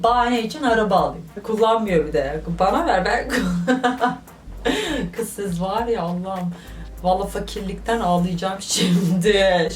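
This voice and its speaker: A young woman vlogger reading viewer stories with animated, joking, exclamatory commentary. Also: mid-range voice, distant mic. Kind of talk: casual comic commentary. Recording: roomy, voice from off the mic.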